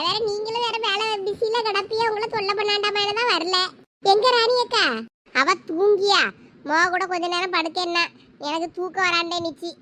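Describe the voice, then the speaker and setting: A woman voicing gossiping adult women in a cartoon comedy, speaking a with lively banter. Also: extremely high pitch, slight background noise.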